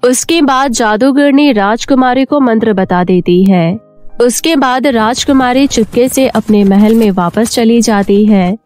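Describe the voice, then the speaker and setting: A woman's voice: fairly high pitch, unhurried, a little mellow. A woman storyteller reading a scripted children's fairy tale narration. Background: faint music.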